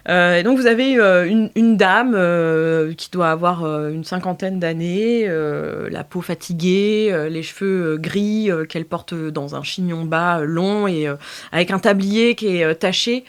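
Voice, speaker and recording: A woman's voice: lowish voice, a little slow, clear, resonant tone. A woman game master narrating improvised audio fiction in a casual, jokey way, searching for words as she goes.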